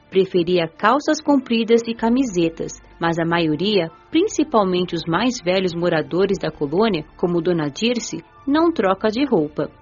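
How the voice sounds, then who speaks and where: A woman narrating an audiobook in the first person, telling the story gently. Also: medium pitch, husky, muffled recording.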